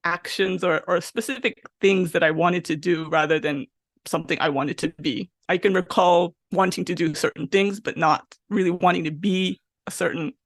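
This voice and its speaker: Gravelly-voiced woman. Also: fairly low pitch, normal speed, no room sound, clean studio sound. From Japan, raised in Texas. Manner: thoughtful, soft laughs, frequent um and uh. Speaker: guest. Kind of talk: casual interview chat.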